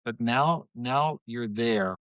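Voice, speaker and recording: A man's voice: mid-range voice, slow, fairly bright tone, no echo, lo-fi sound. A man hosting a podcast, asking questions in an upbeat, encouraging way. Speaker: podcast host. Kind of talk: interview questions.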